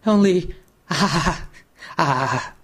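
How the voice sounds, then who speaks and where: A man's voice: mid-range voice, big pitch swings, a little slow. A man voicing a frightened traveler in a spooky storybook reading, pleading and panting in terror. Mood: terrified. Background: music.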